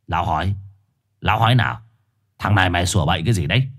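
Man voicing a hoarse street dog, raspy, deep, muttering, bossy storybook bully. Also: expressive, racing, fairly bright tone. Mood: hostile. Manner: growling, rough, condescending. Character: gruff streetwise male black four-eyed dog, bossy.

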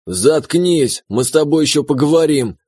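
A man's voice: on the high side, lively intonation, normal speed, darkish tone, husky, no room sound, studio quality. A man voicing a treacherous army commander who barks orders and sneers in an audiobook. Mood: commanding. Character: treacherous male army commander, gruff and smug.

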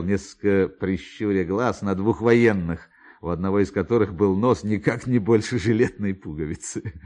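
A male narrator performs a literary tale for radio. His low voice moves through wide swings of pitch, theatrically stretching words and pausing for emphasis. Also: darkish tone.

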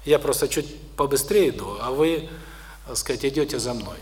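A middle-aged man giving a spoken lecture to an audience, unhurried, with many pauses and restarts. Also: mid-range voice, expressive.

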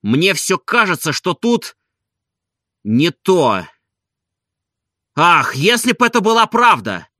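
A man's voice: a little high, big pitch swings, measured pace, pushed and bright, no room sound, studio quality, heavily acted. A reader voicing an insistent, earnest man. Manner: insistent, urgent. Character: earnest, shaken man questioning a woman.

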